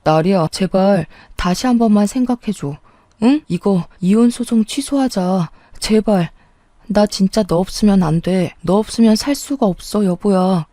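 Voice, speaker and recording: Desperate husband, read by a woman, tearful, pleading, warm tone, dry sound. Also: mid-range voice, measured pace, dry recording, lightly acted.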